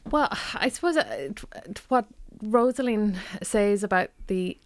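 A woman with a Donegal Irish accent, a native Irish speaker, speaking as a guest poet in a measured, reflective way with many fillers. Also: medium pitch, lively intonation, no room sound. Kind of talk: reflective conversation.

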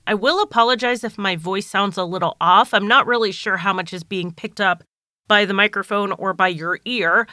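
A woman hosts her podcast solo, talking to listeners in a chatty, organized way. She sounds slightly stuffy and nasal from a cold, with a bright, clear tone. The recording is dry and close, with almost no room sound. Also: medium pitch, moderate pace, no echo. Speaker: podcast host. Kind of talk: casual solo podcast monologue.

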